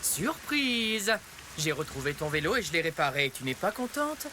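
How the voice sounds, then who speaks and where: A man's voice: on the high side, big pitch swings, quick pace, bright, forceful tone, a little hiss or hum. A man voicing an eager, well-meaning teenage boy in a French cartoon dub, speaking earnestly. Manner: earnest, apologetic.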